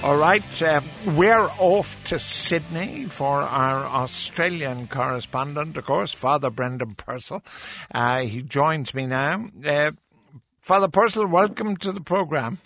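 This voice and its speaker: A man from Cork with an Irish accent, hosting a radio phone-in and reading out listener messages with brisk retorts. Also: fairly high pitch, fairly bright tone, soft background music. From Cork, Ireland. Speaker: radio talk show host. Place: radio studio. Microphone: studio microphone.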